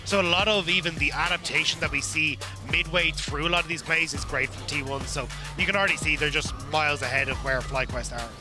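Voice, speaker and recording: Rapid-talking male esports analyst. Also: fairly high pitch, steady tone, over music. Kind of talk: analytical desk commentary.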